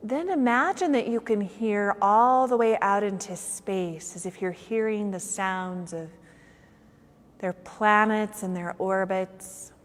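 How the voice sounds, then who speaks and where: Woman guiding meditation in long reverb. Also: medium pitch. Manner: unhurried phrasing with long pauses. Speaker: yoga teacher. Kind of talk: guided meditation.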